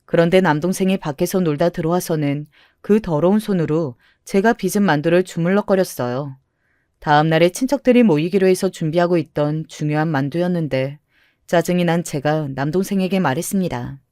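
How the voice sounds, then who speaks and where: A woman reading a first-person story aloud, steady and confessional, with a somewhat low voice. The recording is close and dry with no room echo. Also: fairly quick. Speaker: story narrator. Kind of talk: storybook narration.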